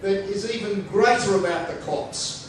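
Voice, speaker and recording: A man with an Australian accent, a high pitch and fairly even intonation at a fairly slow pace, amid noticeable background noise and audible room echo. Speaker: politician. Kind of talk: speech. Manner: loud.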